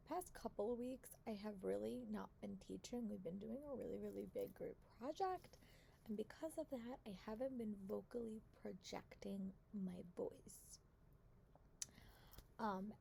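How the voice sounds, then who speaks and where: Hoarse woman, soft half-whispered chat. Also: medium pitch, slight background noise, poor audio. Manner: soft, half-whispered delivery to spare her voice. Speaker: book vlogger. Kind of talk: casual reading vlog chat.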